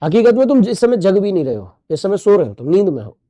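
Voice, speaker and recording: A man's voice: high-pitched, big pitch swings, fast, warm tone, no room sound. A male teacher giving a recorded class, playful, repeating key terms and asking the class questions. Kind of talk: recorded online class lecture.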